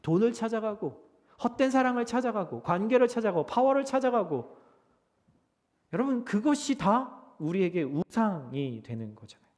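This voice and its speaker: A male pastor giving a Sunday sermon in a church sanctuary, preaching emphatically and swinging between loud peaks and soft drops. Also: high-pitched, sing-song, moderate pace. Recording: long church hall reverb.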